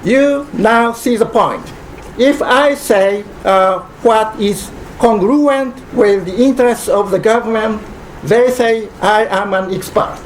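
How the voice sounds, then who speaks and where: A Japanese scholar speaking English at a press conference, measured and dryly ironic, with many "uh" pauses. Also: male voice, high-pitched, a little hiss or hum, low-quality recording. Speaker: constitutional law professor at press conference. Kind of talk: prepared press statement. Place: press club conference room.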